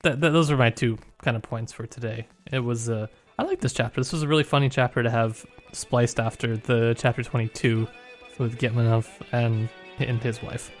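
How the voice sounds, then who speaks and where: A man co-hosting a podcast, chatting about a book in a casual, joking and somewhat halting way. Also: mid-range voice, steady tone, soft background music. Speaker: podcast co-host. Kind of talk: casual book discussion chat.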